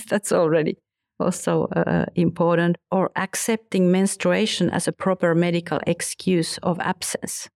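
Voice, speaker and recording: Non-native English-speaking woman, interview guest, hesitant with many restarts, lowish pitch. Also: level tone, creaky, darkish tone, dry recording, studio quality. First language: neither English nor Finnish. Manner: halting, with frequent restarts and searching for words. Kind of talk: conversational interview.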